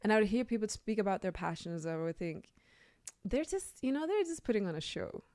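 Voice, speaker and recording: A woman's voice: mid-range voice, animated, a little fast, darkish tone, no echo. Earnest woman in a dry studio. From Denmark. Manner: earnest, emphatic, repeats phrases and seeks agreement with "right?". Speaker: radio guest, leadership and personal development coach. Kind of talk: reflective conversational interview. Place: radio studio.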